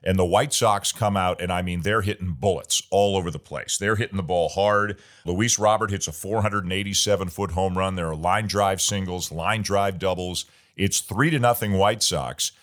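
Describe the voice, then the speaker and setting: A man with a deep, low voice hosting a sports interview. He lays out long recaps of the action before asking his questions. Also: moderate pace, a bit bright. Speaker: podcast host.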